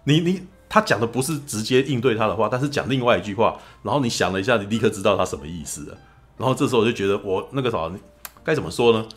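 A man's voice: on the low side, rapid-fire, husky. A man with a Taiwanese Mandarin accent, a podcast host in casual film chat who tells stories with energy and acts out the lines he quotes. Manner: animated storyteller, acts out quoted lines, frequent "你知道吗" asides.

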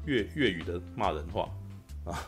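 A man rattles along at a quick clip in casual podcast chat. His pitch swings widely as he spins his stories, and he keeps checking in with his listeners. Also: faint music behind. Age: 40s. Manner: animated storyteller, keeps asking "you know?". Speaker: podcast co-host.

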